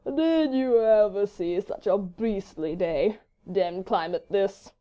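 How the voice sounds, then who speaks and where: Woman putting on a languid, drawling foppish English gentleman. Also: medium pitch, lively intonation, a little slow, dull audio, lightly acted. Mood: bored drawling. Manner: languid, drawling, blandly good-humoured. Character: foppish, lazy, imperturbable English baronet, tall man.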